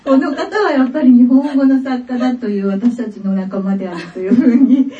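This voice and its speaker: A woman's voice: a little high, a little fast. A woman author in a public talk, speaking with hesitant fillers and frequent laughter. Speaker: author guest at a book event. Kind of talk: public dialogue. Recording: distant, roomy, dull event audio.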